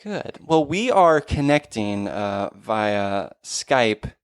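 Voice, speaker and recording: A man with a smooth, resonant voice hosts a podcast and reads his introduction in an earnest, friendly way. He is recorded close and dry, with no room sound. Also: lowish voice, sing-song, extremely slow, no room sound. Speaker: podcast host.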